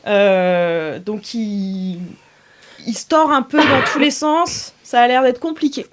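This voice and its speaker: A woman's voice: a little high, steady tone, slow pace. Hesitant woman running a tabletop game. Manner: hesitant, many fillers, laughs often. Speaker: game master. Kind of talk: narrating an improvised tabletop game.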